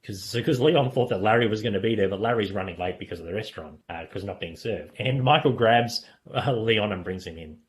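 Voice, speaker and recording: A man's voice: lowish voice, fairly quick, hardly any pauses. A man hosting a podcast, casually retelling scenes and often chuckling as he goes. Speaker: podcast host. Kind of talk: casual scene-by-scene recap of a TV comedy episode.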